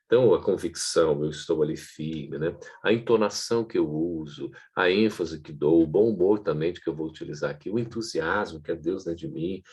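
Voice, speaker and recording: A man giving an online training lecture on public speaking to camera, in a lively teaching tone with frequent checking asides. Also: low voice, fairly quick, few pauses, slightly rough.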